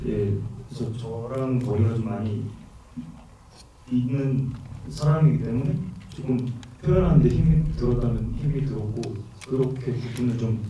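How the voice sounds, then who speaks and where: Dark-voiced man, echoey cinema hall. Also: mid-range voice, distant mic, a little hiss or hum. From Busan, South Korea. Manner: candid, wry, thinks aloud. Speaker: film actor at a post-screening Q&A. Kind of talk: answering audience questions. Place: cinema auditorium.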